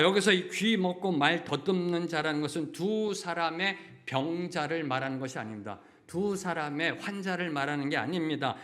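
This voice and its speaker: A middle-aged man preaching a sermon as pastor, often affirming with short fillers and asking the congregation questions, now and then acting out quoted voices. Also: on the high side. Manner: acts out brief quoted voices, at times shouting.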